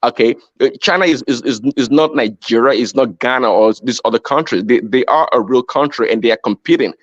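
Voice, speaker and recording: A man's voice: medium pitch, fairly quick, no room sound, muffled recording. A man arguing emphatically in a heated group discussion, stumbling over and repeating words as he presses his point. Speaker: panelist.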